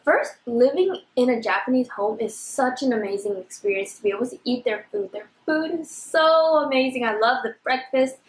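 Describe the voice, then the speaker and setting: A woman's voice: on the high side, lively intonation, normal speed, hardly any pauses. A young woman chatting casually in an eating vlog, bubbly and talkative, filling her speech with "like". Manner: bubbly, chatty, says "like" often. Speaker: vlogger. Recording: echoey room.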